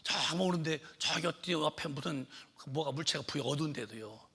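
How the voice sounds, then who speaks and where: Middle-aged male pastor, sermon storyteller, bright gravelly husky voice, swings from whispers to shouted quotes. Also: a little high, moderate pace. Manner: storytelling, acts out shouting mother, drops to whispers.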